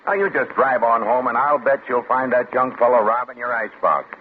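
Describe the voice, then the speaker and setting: An actor as a folksy Air Force sergeant. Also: male voice, mid-range voice, animated, a little fast, lightly acted. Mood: gruff. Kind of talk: 1950s radio drama acting. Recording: tinny old radio broadcast with hiss.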